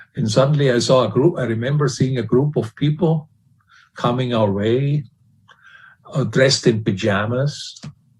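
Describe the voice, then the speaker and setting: A man with a somewhat breathy, medium-pitched voice speaks with long, frequent pauses. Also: ordinary pitch variation, moderate pace. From western Austria. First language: German. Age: 80s+. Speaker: law professor. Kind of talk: lecture Q&A, personal reminiscence. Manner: halting, many repetitions.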